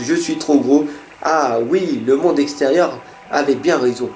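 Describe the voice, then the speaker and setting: A man's voice: medium pitch, darkish tone. A man giving weekly card-reading guidance, speaking earnestly and encouragingly straight to the listener. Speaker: card reader. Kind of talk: weekly tarot guidance talk. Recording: echoey room with faint music.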